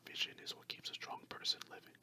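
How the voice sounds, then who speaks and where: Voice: quick pace, pushed and bright. Whispered grumbling, boastful salesman traveler, as read by a narrator. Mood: boastful, mocking. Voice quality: breathy unvoiced whisper. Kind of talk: whispered ASMR story reading.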